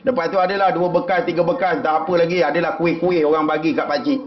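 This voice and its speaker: A Malaysian-accented preacher with a notably high voice delivers an emotional sermon story. His delivery is animated and climbs with feeling. The recording sounds dull and lo-fi. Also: fast.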